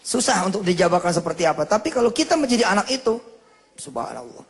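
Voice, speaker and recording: A man's voice: high-pitched, fast, breathy edge. A man preaching a storytelling sermon, acting out the dialogue as he tells the story. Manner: lively storyteller who acts out the dialogue. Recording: reverberant hall sound.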